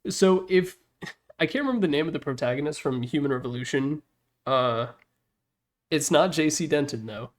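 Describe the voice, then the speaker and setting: A man's voice: a little high, lively intonation, moderate pace. A young man giving casual, opinionated commentary on video games in an informal, slangy, joking way.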